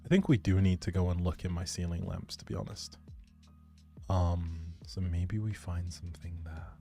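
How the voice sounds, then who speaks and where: Low, mellow-voiced man streaming casually. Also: fairly even intonation, normal speed, gravelly, soft background music. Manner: musing aloud, chatty, addressing viewers. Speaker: game streamer. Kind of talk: casual livestream chat while playing a life-simulation game.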